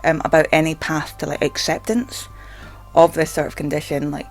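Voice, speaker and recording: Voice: medium pitch, level tone, normal speed, faint music behind. A vlogger with a stammer rambling casually and hesitantly, often saying "like". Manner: hesitant, stammering, filler-heavy with frequent "like". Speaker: video blogger. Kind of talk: casual rambling talk to camera.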